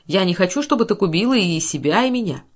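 A woman's voice: mid-range voice, lively intonation, fast talker, close to an everyday voice. A woman voicing a self-assured businessman husband who pleads and persuades. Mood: pleading.

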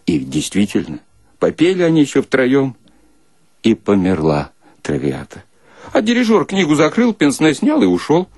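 Husky and medium in pitch, this male storyteller moves at a moderate pace through a humorous, down-home monologue. He's theatrical and lively, now and then bursting into pretend song. The studio sound is clean and echo-free.

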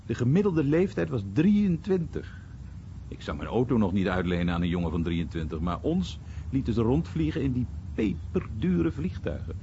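A man playing an American war veteran who soberly recalls his bomber days in a radio drama monologue, in a husky voice. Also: mid-range voice, sing-song, normal speed, dark tone, slight background noise. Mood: wry, reflective. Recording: slightly dull radio recording.

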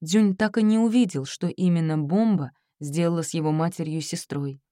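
Low, mellow woman narrating a novel. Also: fairly quick, no echo, studio quality. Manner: reads all characters' dialogue herself with small shifts. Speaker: audiobook narrator. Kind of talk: scripted narration.

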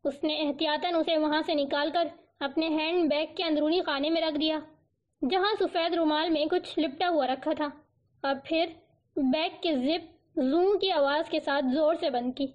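A woman narrating a novel as an audiobook, with a steady, even storytelling delivery. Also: sits high. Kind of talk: scripted novel reading. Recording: dull lo-fi recording.

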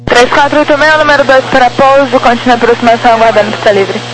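Brazilian male tower controller, very high voice, procedural calls, noisy radio. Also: flat delivery, quick pace. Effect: air traffic radio transmission. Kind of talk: procedural air traffic instructions. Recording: noisy air traffic radio with hum.

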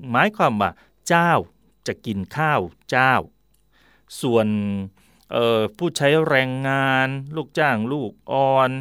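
A man's voice: medium pitch, fairly bright tone, dry recording, studio quality. A man hosting a casual talk on history and language, explaining with examples in a chatty way. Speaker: radio host.

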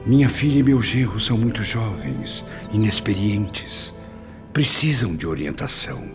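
A man's voice: fairly low pitch, expressive, moderate pace, music in the background, lightly acted. An actor playing a humble father's spirit in a radio drama, pleading earnestly.

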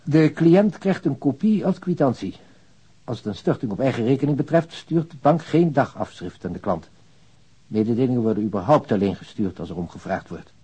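An actor playing a precise, helpful bank official in a radio drama, explaining things in a formal manner. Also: male voice, medium pitch, lively intonation, a little fast, mellow, breathy edge. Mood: precise, businesslike.

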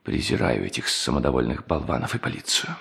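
An actor playing a bitter, lonely bank thief in hiding, in a theatrical radio play monologue that moves between muttering and solemn declamation. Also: male voice, rumbling low, very animated, fairly quick, vocal fry, a bit bright, breathy edge, full character voice. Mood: scornful. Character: brooding fugitive bank thief, bitter, lonely, self-tormenting man.

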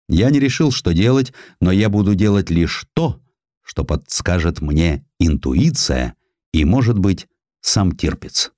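Man playing a deep, sardonic German admiral. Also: a little mellow, no room sound, clean studio sound. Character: self-willed, scornful German admiral at sea. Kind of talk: audiobook character acting.

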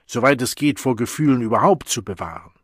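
A man's voice: medium pitch, lively intonation, fast talker, breathy edge, dry recording, clean studio sound. A man voicing a cold, lofty male World Controller who lectures students emphatically in an audiobook. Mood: lecturing.

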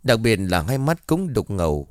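Male first-person horror narrator, lively intonation, dry close sound. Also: lowish voice, moderate pace, dry recording. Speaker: storyteller.

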